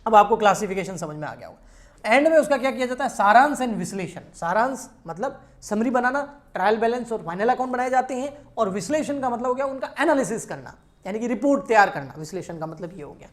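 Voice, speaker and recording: A woman's voice: a little high, animated, fast. A woman teaching an exam-prep accountancy lecture. She explains patiently, keeps checking that students follow, and addresses them in a familiar way.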